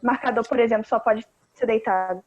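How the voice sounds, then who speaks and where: A woman's voice: a little high, steady tone, brisk, lo-fi sound, noisy background. A teenage girl student in an online class, eagerly giving advice. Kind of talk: casual class chat. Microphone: video call.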